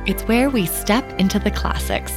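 A woman hosting a podcast, delivering polished, measured scripted narration. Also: medium pitch, lively intonation, music in the background. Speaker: podcast host.

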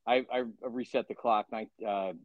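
Middle-aged male guest, halting and emphatic, dry remote-call audio. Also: medium pitch, fairly even intonation, dry recording, lo-fi sound. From Philadelphia area. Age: 50s. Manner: halting, repeats words, opinionated. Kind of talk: casual podcast chat.

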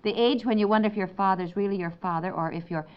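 A woman's voice: mid-range voice, quick pace, clean tone, natural voice. An actress playing a wry, sensible, fretful suburban mother in a naturalistic, conversational 1950s radio comedy. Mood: wry, knowing. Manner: conversational, gently wry, dramatizing her worries. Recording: dull vintage 1950s radio recording.

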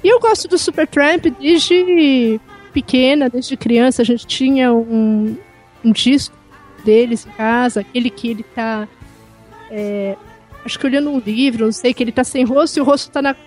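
A woman's voice: a little high, moderate pace, darkish tone. A woman from São Paulo state with a Brazilian accent, chatting casually as a podcast guest. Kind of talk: casual chat. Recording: music playing under the talk.

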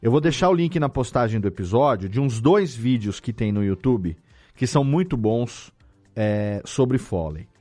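A man with a Brazilian Portuguese accent hosts a casual podcast and also edits audio dramas. His mid-range, mellow voice has lively intonation at a moderate pace as he explains things informally, often repeating words, over soft background music.

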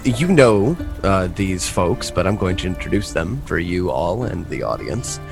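Man, game master, gravelly, lively pitch, rambling narration, fillers, faint music behind. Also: a little slow. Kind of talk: narrating a tabletop role-playing game.

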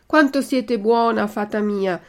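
High, eager, exclaiming puppet boy, storybook reading, put on by a woman. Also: unhurried, darkish tone, close to an everyday voice. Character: excitable wooden puppet boy, impulsive.

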